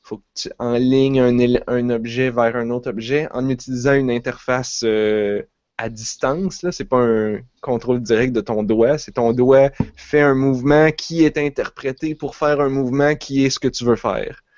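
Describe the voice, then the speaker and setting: A man with a Quebec French accent talks loosely on a podcast, circling back on his words with fillers and restarts. His voice sits at a middle pitch. The recording is dry and a little dull. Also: fairly even intonation, moderate pace, darkish tone, no room sound. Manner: rambling, many restarts and fillers. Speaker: podcast co-host. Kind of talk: casual chat.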